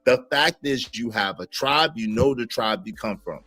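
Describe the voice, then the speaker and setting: A man's voice: medium pitch, expressive, normal speed, pushed and bright, faint music behind. A man hosting a heated live-stream debate, combative and talking over others.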